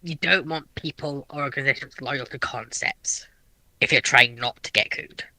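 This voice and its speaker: A man on an informal discussion panel, explaining his points in a somewhat halting way. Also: mid-range voice, bright, forceful tone, no room sound, low-quality recording.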